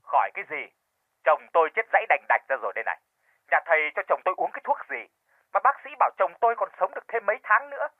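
A shrill, enraged widow rattles off accusations at breakneck speed, as a male narrator puts her on. Her voice leaps high with fury and carries a husky grain. This is a horror audio story. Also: huge pitch swings, no room sound, phone-quality sound, full character voice. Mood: furious. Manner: screaming rapid-fire accusations.

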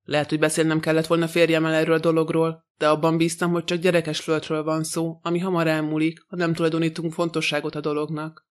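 A man's voice: a little high, completely flat delivery, smooth, natural voice. A man reading as a cold, proud mother. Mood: reserved. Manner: plain, reserved.

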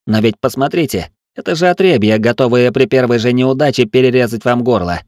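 A man's voice: medium pitch, brisk, a little mellow, no echo, clean studio sound, close to an everyday voice. A man voicing a cold, scornful male ship officer who speaks with contempt and command. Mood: contemptuous.

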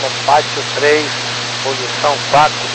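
A man's voice: on the high side, little pitch movement, unhurried. A man making a procedural request to ground control over aviation radio. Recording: very noisy radio with engine hum.

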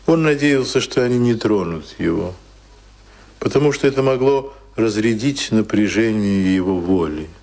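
An actor narrating a radio play as a solemn, grave storyteller in a measured, dramatic way. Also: male voice, lowish voice, a little mellow, exaggerated voice. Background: faint music.

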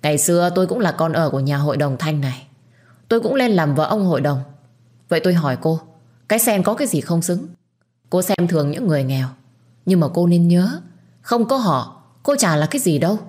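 A woman's voice: on the low side, animated, fairly quick, natural voice. A woman voicing a stern older matriarch who scolds and commands her household in an audio story. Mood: furious.

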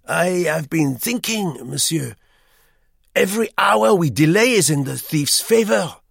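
A man's voice: on the high side, animated, unhurried, gravelly, husky, no room sound, studio quality, pitched above the performer's own voice, exaggerated voice. A man voicing an insistent, fussy bearded French businessman who urges action emphatically.

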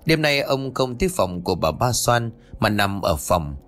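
A man's voice: on the low side, very animated, moderate pace, a bit bright. A man narrating a ghost story in a dramatic storytelling manner.

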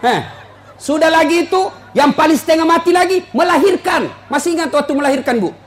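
A man's voice: very high-pitched, a little fast. A man preaching a humorous sermon to a live audience, joking and teasing listeners with questions.

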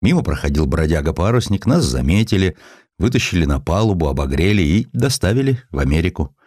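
A man voicing a poor, ailing ex-sailor turned postman, gruff, proud and kind-hearted, with blunt, salty, plain-spoken delivery in an audio story. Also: deep voice, very animated, brisk, a little mellow, dry recording, clean studio sound. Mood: earnest storytelling.

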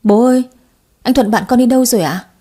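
A woman voicing an anxious young daughter, pleading in a higher voice. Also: fast talker, dark tone, lightly acted. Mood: frightened.

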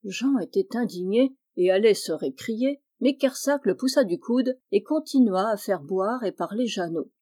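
A woman reading a classic novel aloud, narrating steadily and clearly. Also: mid-range voice, lively intonation, moderate pace, few pauses, dark tone. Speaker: audiobook reader.

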